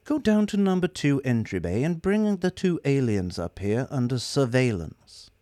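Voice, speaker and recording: A man voicing a bright, compassionate young woman who speaks in a lilt. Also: mid-range voice, very animated, moderate pace, no echo, voice pushed up, natural voice. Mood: cheerful. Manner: lilting, bright.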